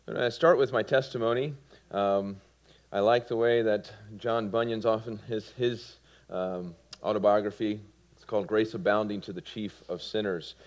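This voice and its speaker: Man, forties, Southern American accent, very low voice, earnest sermon testimony, some fillers. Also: fairly even intonation, moderate pace. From Georgia, US. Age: 40s. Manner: earnest, with fillers and soft laughs. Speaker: preacher.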